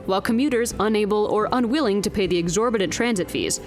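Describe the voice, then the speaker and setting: A woman playing a wry, exasperated field news reporter in an audio drama, speaking in a crisp, pointed broadcast style. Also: mid-range voice, fast, a little mellow, faint music behind, lightly acted. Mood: brisk, pointed.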